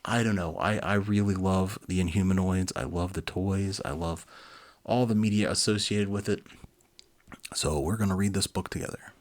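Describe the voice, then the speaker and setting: Low-voiced man reading a storybook. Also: fairly even intonation, moderate pace. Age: 40s. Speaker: host reading a children's book aloud. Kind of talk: casual chat and expressive storybook reading.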